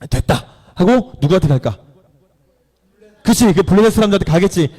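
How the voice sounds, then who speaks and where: High, lively male preacher. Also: quick pace. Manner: lively, playful, acts out voices and asks the congregation questions. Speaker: pastor. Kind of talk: animated sermon storytelling. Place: church.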